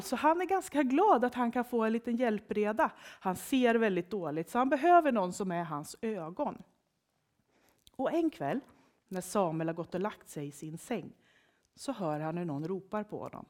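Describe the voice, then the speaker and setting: Woman preacher, animated storyteller for a family church service, middle pitch. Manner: lively, expressive storytelling. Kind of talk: storytelling sermon for all ages.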